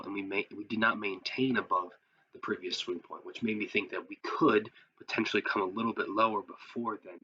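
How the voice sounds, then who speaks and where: A man with a lowish but bright, forceful voice that sounds a bit sick. He walks through material like an informal online instructor, step by step, asking and answering his own questions. The recording is slightly dull and lo-fi. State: sick, voice affected by illness. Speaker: host, trading instructor. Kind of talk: casual tutorial commentary over trading charts.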